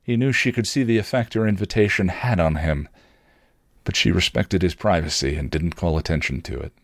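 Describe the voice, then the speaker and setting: A man's voice: deep voice, fairly quick, no echo, clean studio sound. A man narrating a scripted story expressively, as a reader of fan fiction.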